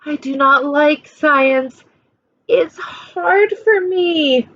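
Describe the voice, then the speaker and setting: A woman's voice: high-pitched, extremely slow, fairly bright tone, no room sound, highs cut off. A woman teacher reading a children's picture book aloud expressively, stopping to explain and put questions to young listeners.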